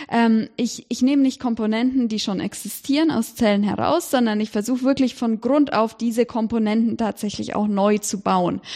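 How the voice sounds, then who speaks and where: A woman with a fairly high pitch and an ordinary speaking voice talks at a moderate pace with ordinary pitch variation and hardly any pauses. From Germany, Erlangen (Franconia). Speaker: scientist, synthetic biology researcher. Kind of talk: interview, casual chat.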